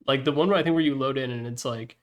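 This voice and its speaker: A man's voice: medium pitch, quick pace. A man giving casual, rambling ranking commentary in a blunt, sweary, candid manner, recorded in his room on a desktop microphone. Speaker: host ranking game announcer packs. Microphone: Yeti desktop microphone.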